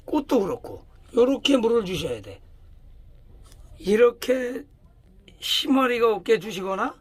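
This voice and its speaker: A man's voice: high voice, gravelly, husky, dry recording. A man giving a casual hands-on demonstration of plant care, emphatic and repeating key words, slipping into plain informal speech. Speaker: plant grower explaining care.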